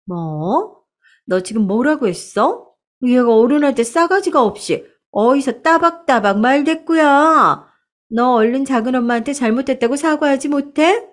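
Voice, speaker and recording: A haughty middle-aged aunt, all sneers and scolding, her voice sitting slightly high. She talks down at everyone around her in a spoken radio story, as a woman narrator puts her on. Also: lively intonation, a little slow, a little mellow. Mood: scornful. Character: snobbish scornful middle-aged aunt, shrill.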